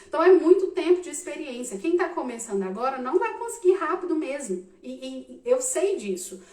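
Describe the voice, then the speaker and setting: A woman in her thirties, a psychologist giving animated casual advice to parents, often checking in with "tá?". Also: sits high. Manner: animated, addresses listeners directly with frequent "tá?". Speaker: psychologist answering parents' questions. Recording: roomy echo, mic at a distance.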